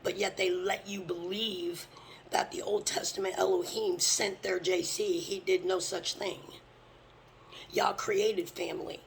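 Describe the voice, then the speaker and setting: A fervent religious teacher preaching from scripture, blunt and sometimes swearing, often dropping into a hushed whisper. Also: medium pitch, level tone, measured pace, gravelly, slight background noise, poor audio.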